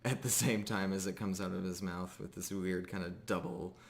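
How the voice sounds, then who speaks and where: A man narrating a tabletop fantasy game as game master, improvising descriptions in a measured way with pauses. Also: low-pitched, steady tone, gravelly.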